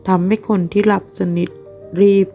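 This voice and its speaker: A woman narrating a romance audio novel in a steady, unhurried storytelling voice. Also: soft background music.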